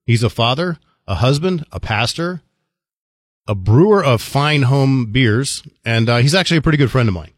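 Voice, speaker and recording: A middle-aged man hosting a podcast, chatting casually and gently ribbing his guest. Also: mid-range voice, expressive, moderate pace, dry recording, clean studio sound. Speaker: podcast host. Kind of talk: casual interview chat.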